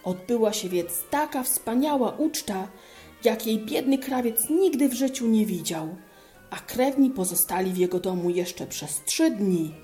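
A woman calmly narrating a fairy tale aloud. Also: fairly high pitch, unhurried, soft background music.

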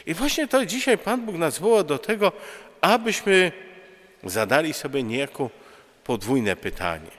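A man, a religious brother, preaching a sermon in a conversational, storytelling way with pauses and fillers. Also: fairly high pitch, big pitch swings, fairly bright tone, big-room sound. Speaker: priest or friar preaching.

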